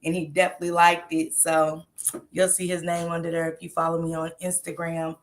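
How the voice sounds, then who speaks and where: A woman with a somewhat low voice and a stuffy nose, hosting a relaxed livestream. She talks straight to her viewers in a chatty, loose way, with plenty of ums. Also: fairly quick. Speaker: true crime commentary host. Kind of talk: casual livestream commentary.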